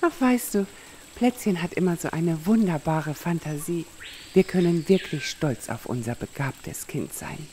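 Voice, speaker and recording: A woman's voice: low-pitched, expressive, unhurried, mellow, a little hiss or hum. A woman playing a genteel, indulgent royal mother in an audio drama, with theatrical delivery. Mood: doting. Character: doting royal mother, genteel maharaja's wife.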